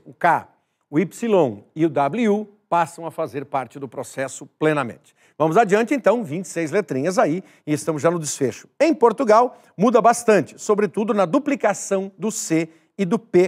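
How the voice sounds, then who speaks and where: A man's voice: sits high, animated, moderate pace. A man teaching a recorded exam-prep grammar lesson, emphatic, repeating key words and speaking straight to the viewer.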